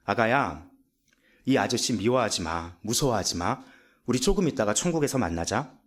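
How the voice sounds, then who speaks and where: A man acting out a calm young mother who comforts her child in a soft, hushed voice. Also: fairly low pitch, moderate pace, voice pushed down. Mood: tender. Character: calm, gentle young mother facing death.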